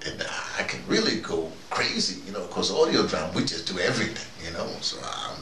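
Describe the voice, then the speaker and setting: A man's voice: deep voice, very animated, fairly quick, sharp tone. An older man delivers a rambling, folksy, preachy monologue, repeating phrases for emphasis. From United States. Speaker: vlogger, audio dramatist. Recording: roomy, distant mic, faint background noise.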